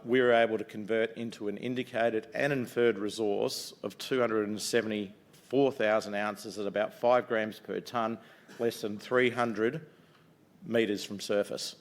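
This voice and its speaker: Loud middle-aged Kiwi man pitching investors. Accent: New Zealand. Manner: upbeat, conversational pitch with frequent ums and uhs. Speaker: mining company executive presenting to investors. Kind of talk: investor conference presentation.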